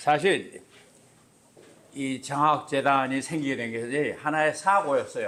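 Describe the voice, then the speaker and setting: A man speaks at a very slow pace, leaving long, frequent pauses. His intonation stays fairly even. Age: 80s+. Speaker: scholarship foundation chairman. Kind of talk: press conference speech. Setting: press conference. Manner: hesitant, many fillers.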